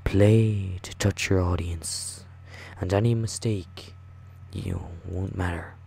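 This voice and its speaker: Man playing a slow-speaking, creaky, gentle nobleman. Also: low voice, steady tone, full character voice. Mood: tender. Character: gentle, courtly French nobleman, fatherly and wise.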